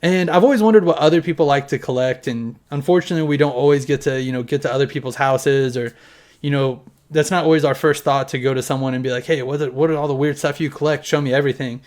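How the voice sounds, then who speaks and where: A man in his thirties shows off his collection to the camera from a home room where it's on display, speaking in a loose, rambling way with occasional swearing. He has a medium-pitched voice, a quick pace, and a darkish tone.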